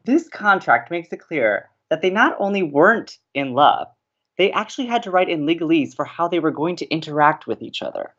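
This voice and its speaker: A man's voice: a little high, lively intonation, a little fast, fairly bright tone, muffled recording. A man playing an earnest, dramatic young college radio host in an audio drama, wry and theatrical. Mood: declamatory, determined.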